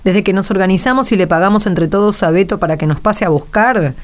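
A woman's voice: medium pitch, fairly quick, lightly acted. An actress with an Argentine accent playing a practical, talkative, country-raised poor mother in a radio play. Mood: kindly, reminiscing. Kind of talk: radio drama acting.

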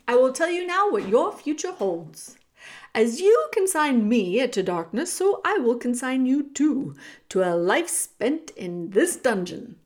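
Woman as a sneering male rat villain, haughty formal diction, sweeping pitch, unhurried, storybook menace. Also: sing-song, a little mellow, exaggerated voice. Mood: menacing, gloating.

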